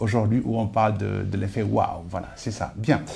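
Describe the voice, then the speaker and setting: There is vocal fry in this man's voice, which has a dark, mellow tone. He talks at a moderate pace. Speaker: marketing trainer. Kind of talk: lecture. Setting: live video stream. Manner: halting, many repetitions and fillers.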